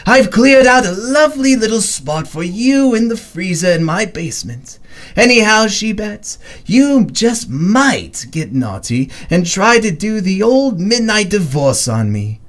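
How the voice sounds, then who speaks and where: Wildly swooping, deranged clown villain. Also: male voice, sits high, sing-song. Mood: gleeful menace. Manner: theatrical, sing-song, drawn-out, lurching from murmurs to shrieks. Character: gleefully deranged theatrical male clown villain, mock-affectionate. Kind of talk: audio drama acting.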